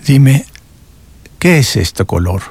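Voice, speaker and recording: A man's voice: mid-range voice, sing-song, slow pace, a little mellow, breathy edge, heavily acted. A man voicing a frightened elderly white-haired man whose voice trembles as he urgently pleads. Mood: pleading.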